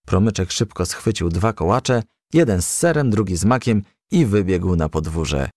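A man reading a children's story aloud as a scripted narration, in an expressive, measured storytelling manner. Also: low voice, dry recording, clean studio sound. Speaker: audiobook reader.

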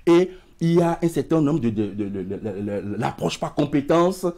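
A man's voice: fairly high pitch, animated, normal speed, dark tone. A middle-aged man with a West African French accent, a guest in a TV studio interview, who gestures widely and stumbles over repeated words. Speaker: studio guest, emigration expert. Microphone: lapel mic.

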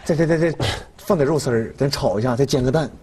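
A man's voice: medium pitch, fast talker, recorded from a distance, close to an everyday voice. An actor playing an easygoing young man in a sitcom, talking in a casual, offhand way. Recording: sitcom with loud audience and noise.

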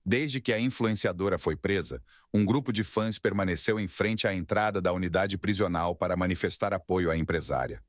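A man's voice: sits low, a little fast, few pauses, no room sound, studio quality. A Brazilian man delivering a scripted news report as a voice-over reporter.

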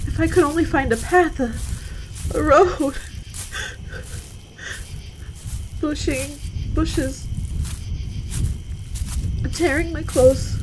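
Lady playing panicked college girl in a horror radio play, really high voice, halting and gaspy, noisy recording. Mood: distraught, determined. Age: young adult. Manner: frantic, gasping, halting and repetitive. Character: hysterical young college woman seeking help for her friend. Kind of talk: amateur radio horror acting.

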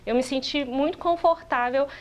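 Woman interpreter, high voice, steady explaining, tv studio lapel mic. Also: moderate pace. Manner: steady, explanatory, with frequent restarts. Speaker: sign language interpreter. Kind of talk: TV talk show guest, voicing a deaf guest's answers.

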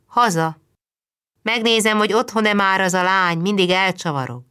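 A woman's voice: medium pitch, bright, forceful tone, clean tone, voice pushed up, natural voice. A woman reading the lines of a friendly, teasing male chimney sweep in his thirties, widowed. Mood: earnest. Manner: friendly, joking.

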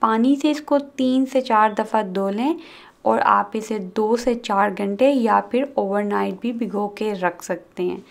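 A woman host narrating a cooking video, calmly explaining each step and mixing in English words. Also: medium pitch, unhurried, creaky. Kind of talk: recipe voice-over narration.

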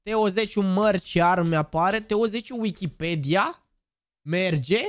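A man in his twenties, live streaming and chatting, hyper and joking, bursting into shouted catchphrases. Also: high-pitched, no room sound. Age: 20s. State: over-excited. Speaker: gaming streamer.

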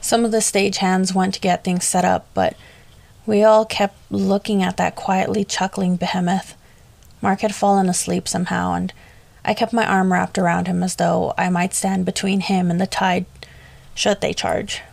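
A woman narrating a scripted horror story in a steady, measured way. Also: mid-range voice, creaky, no room sound.

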